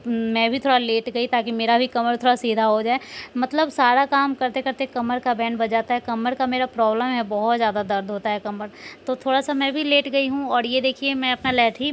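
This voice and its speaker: A woman's voice: high voice, a little hiss or hum. A young woman chatting casually at home about her newborn, talking loosely with many fillers. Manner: sing-song baby talk to her infant. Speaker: vlogger and new mother. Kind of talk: casual home vlog narration.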